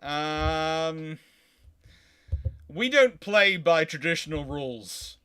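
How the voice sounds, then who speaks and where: A man with a somewhat high, bright voice hosts a casual livestream. He is chatty and digressive, often dropping one thought midway to pick up another. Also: lively intonation, drawn-out words, clean tone. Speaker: host of a naval history livestream. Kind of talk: casual rambling livestream chat.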